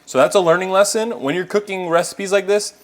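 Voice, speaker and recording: A home cook with a high-sitting voice, fairly even intonation and a fairly quick pace presents his recipe. He speaks casually to viewers, explaining what he does at each stage.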